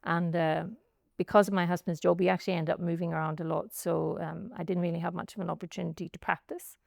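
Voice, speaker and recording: A woman with a Northern Irish accent speaks in a low, gravelly voice, thinking aloud as she tells her story. She is unhurried and reflective, and pads her answers with "um" and "and so on." The sound is close and dry. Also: flat delivery, no echo. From Northern Ireland. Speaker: guest, chartered accountant and academic. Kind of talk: conversational interview answers. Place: outdoors by a pool.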